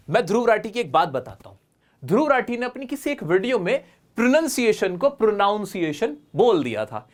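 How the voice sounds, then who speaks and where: Male teacher, lively and coaxing, for a spoken English lesson. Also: sits high. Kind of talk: classroom lesson.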